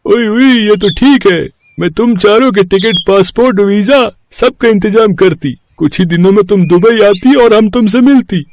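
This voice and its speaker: A man's voice: high voice, moderate pace, hardly any pauses. A man voicing an effusive, jovial Arab sheikh in a cartoon story, exclaiming in broken grammar with a put-on Arab accent. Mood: excited, welcoming. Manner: exclaiming, broken Hindi with wrong gender endings. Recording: clearly noisy.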